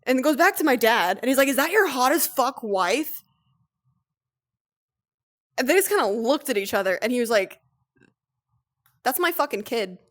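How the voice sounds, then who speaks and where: A young woman co-hosting a casual stream, reading posts aloud and telling stories with lively, profane energy. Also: on the high side, moderate pace, pauses often. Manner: animated storytelling, swears freely. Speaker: streamer, co-host.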